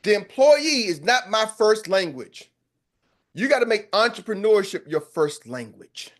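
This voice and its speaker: A man's voice: high voice, big pitch swings, unhurried. An American man coaching a group call in a fiery, preacher-like motivational style, repeating lines for emphasis. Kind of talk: motivational pep talk.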